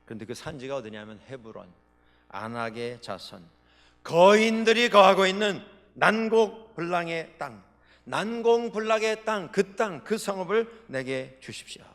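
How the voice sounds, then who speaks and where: A male pastor preaching a sermon, with dramatic swings between loud proclamations and quiet asides. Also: sits high, lively intonation, unhurried. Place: church sanctuary. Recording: long reverb of a large hall.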